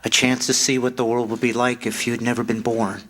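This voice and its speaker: An actor in a radio play stage reading, playing a gentle, childlike, centuries-old angel with an eager, stammering manner. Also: male voice, medium pitch, flat delivery, a little fast, a little hiss or hum, lightly acted. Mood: earnest. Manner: stammering, innocent, chuckling.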